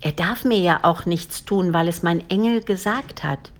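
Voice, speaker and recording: A woman's voice: normal speed, lightly acted. A woman doing a bold, chatty little girl. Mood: eager. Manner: high, eager, scolding. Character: brave, chatty little girl, cheeky and kind.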